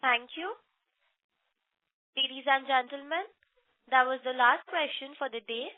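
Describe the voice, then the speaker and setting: A woman's voice: high-pitched, unhurried, dry recording. A woman moderating a conference call as operator in a formal, scripted way. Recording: dry narrowband phone line.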